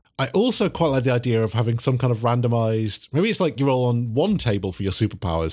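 Pitched at medium, a man's voice is captured in a very clean recording with a silent background. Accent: English. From Britain. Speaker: tabletop game podcast co-host. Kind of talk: casual chat and role-play.

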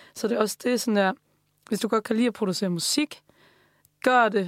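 In a very clean recording with a silent background and a dry, close sound with no echo, a woman speaks at a fairly quick pace with a fairly high pitch and fairly even intonation. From Denmark, Odsherred area. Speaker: musician and producer. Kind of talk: casual interview. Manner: hesitant, many fillers.

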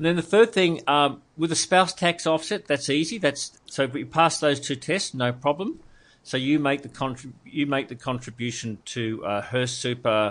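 Speaking with an Australian accent and lively intonation, the voice runs on with hardly any pauses over a quiet background. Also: man, fairly high pitch for a man, moderate pace. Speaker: finance show co-host. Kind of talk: casual chat.

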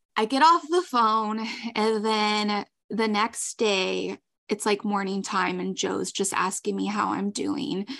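A woman speaks loudly and very slowly at a fairly high pitch, her tone bright and sharp, with ordinary pitch variation, in a very clean recording with a silent background. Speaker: podcast host. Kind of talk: casual chat. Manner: loud, vocal, laughs a lot.

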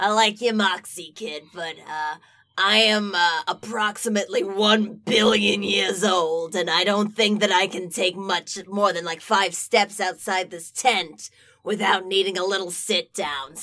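A woman puts on a gravelly character voice at medium pitch. She speaks at a fairly slow pace. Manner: wry, tired.

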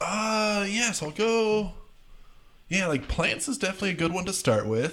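With ordinary pitch variation, the voice moves along at a moderate pace. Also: man, high pitch for a man. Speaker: podcast co-host, player. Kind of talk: tabletop roleplaying game session, casual.

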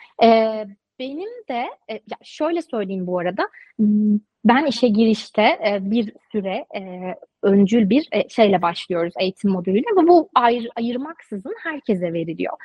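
Speaking at a fairly slow pace, a woman uses a fairly high pitch with very wide pitch swings and big swings in loudness. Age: 20s. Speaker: tech retail product specialist. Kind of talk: interview.

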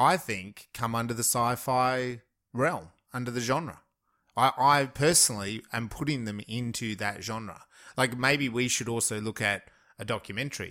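A man with an Australian accent speaks at a moderate pace and medium pitch, with a bright, sharp tone and ordinary pitch variation, in a very clean recording with a silent background. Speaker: podcast host. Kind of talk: casual chat.

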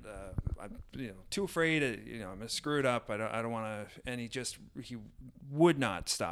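Using an ordinary speaking voice, a man with a Canadian accent talks at a fairly quick pace and a medium pitch, with ordinary pitch variation. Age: 30s. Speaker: professional wrestler and wrestling school trainer. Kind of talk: interview. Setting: studio.

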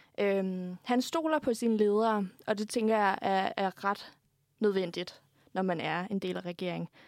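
A woman with a normal speaking voice talks fairly slowly at a medium pitch with ordinary pitch variation, in a very clean recording with a silent background. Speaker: podcast host.

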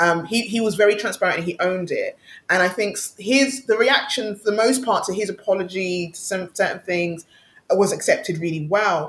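A woman's normal speaking voice at medium pitch, with ordinary pitch variation and big swings in loudness. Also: moderate pace. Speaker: PR professional. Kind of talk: casual interview chat.

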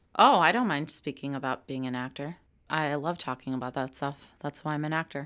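In a very deep, low voice and a Midwestern accent, a woman speaks at a fairly quick pace with ordinary pitch variation and an animated tone, on a very clean recording with a silent background. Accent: general American, Midwest. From Chicago, US Midwest. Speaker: actress and comedian. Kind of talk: casual interview. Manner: animated, laughs often.

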